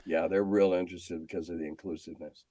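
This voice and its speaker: An older American man with a deep voice talks casually as a guest on a show. His manner is plain and wry. He is recorded dry, with hardly any room sound. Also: flat delivery, fast, mellow, no echo. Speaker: interview guest, retired magazine editor. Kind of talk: casual chat.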